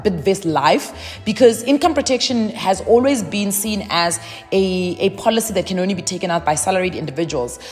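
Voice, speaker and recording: A woman in her thirties talks through personal finance tips, chatty and full of "um"s and repeated words. Her voice sits on the low side. It echoes with a long tail of reverb, and soft music plays underneath. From South Africa. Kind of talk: casual advice monologue.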